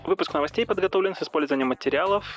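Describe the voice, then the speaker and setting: Fast male news presenter, faint music bed. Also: fairly high pitch. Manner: brisk, even newsreader delivery. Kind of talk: scripted news reading.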